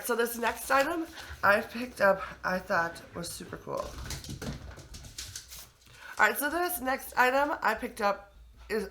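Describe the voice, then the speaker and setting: A woman's voice: medium pitch, pushed and bright, a little hiss or hum. A woman in her thirties or forties, stuffy and congested from allergies, chatting casually and gushing over her thrift finds in her kitchen. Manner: gushing, enthusiastic, many fillers. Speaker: thrift haul vlogger. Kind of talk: casual chatty show-and-tell. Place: home kitchen.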